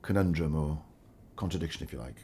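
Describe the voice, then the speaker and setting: A man from the Valleys, a film director, speaking earnestly in an interview and pausing often to restart his thoughts. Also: extremely low pitch, dark tone, slightly rough. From Wales. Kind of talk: reflective interview talk.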